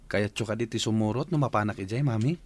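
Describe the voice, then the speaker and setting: An actor playing a grown son speaking calmly with his mother in a radio drama. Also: on the low side, quick pace, close to an everyday voice.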